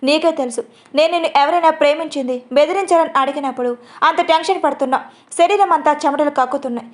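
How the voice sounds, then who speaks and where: A woman narrator puts on a young man with a short fuse, all command and irritation. He snaps his lines quickly, bossy and domineering, in a high voice. It plays like a spoken audio story. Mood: angry. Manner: angry, commanding. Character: hot-tempered young man, shouting and domineering.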